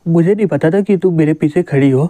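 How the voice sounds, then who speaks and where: A man's voice: on the high side, a little fast, dark tone, no echo, close to an everyday voice. A cheeky schoolboy hero, read by a man. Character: teenage schoolboy hero with x-ray vision, cheeky.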